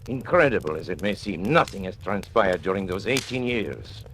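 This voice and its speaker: An actor playing a sinister agent who narrates and taunts powerful men in theatrical 1940s radio acting. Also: male voice, low-pitched, very animated, moderate pace, noisy background. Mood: calm. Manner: menacing, mocking, theatrical. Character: sinister male confidential agent turned blackmailer.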